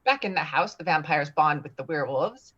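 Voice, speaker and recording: A woman's voice: deep voice, animated, fairly quick, a bit bright, slightly rough. Slightly muffled woman reading screenplay directions. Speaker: stage directions reader. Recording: slightly dull, lo-fi audio.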